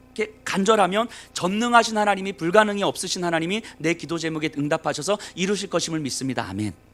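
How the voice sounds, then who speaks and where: Music in the background behind a man's high voice, fairly quick in pace, with lively intonation. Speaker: pastor. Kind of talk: sermon. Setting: church. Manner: fast.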